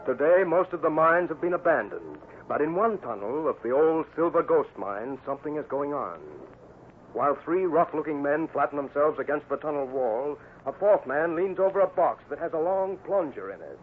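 A man's voice: on the high side, lively intonation, normal speed. A man announcing and narrating a scripted story in the style of mid-century radio. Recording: tinny old radio recording, faint hiss.

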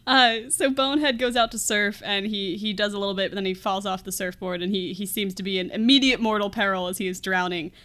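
A woman's voice: mid-range voice, fairly even intonation, brisk, hardly any pauses, a bit bright. A woman hosting a film podcast, chatting casually through a movie scene by scene and often laughing as she talks. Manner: giggly, laughs often while talking.

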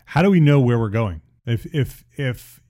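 A man hosting a business podcast who asks questions in a halting way, with many restarts. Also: medium pitch, expressive, dull audio. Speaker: podcast host, architect. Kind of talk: casual interview questions.

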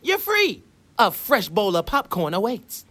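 A woman's voice: medium pitch, huge pitch swings, a little slow, a bit bright. A woman voicing a sly, meddling male house cat with a smug, conspiratorial manner.

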